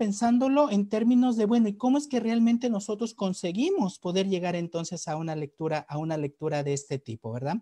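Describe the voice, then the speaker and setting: Against a quiet background, a man with a Mexican accent speaks at a moderate pace in a high pitch, his dark, mellow tone carrying lively intonation. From Mexico. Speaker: academic researcher; webinar presenter. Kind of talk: webinar lecture. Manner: halting, repeats words. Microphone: video call.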